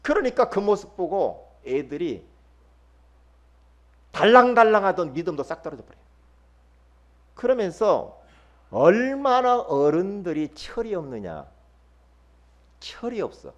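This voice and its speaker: A middle-aged male pastor preaching a sermon, emphatic, swinging from loud bursts to low murmurs and acting out quoted churchgoers. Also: big pitch swings. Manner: acts out quoted church members in quick asides.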